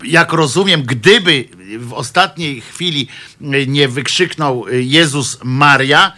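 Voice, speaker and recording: A man with a slightly high, slightly rough voice and a sharp tone speaks slowly as a regular on a weekly show. His commentary is casual and satirical, rambling and hesitant with many restarts. He mocks news stories, the press and clergy with dry sarcasm and jokes.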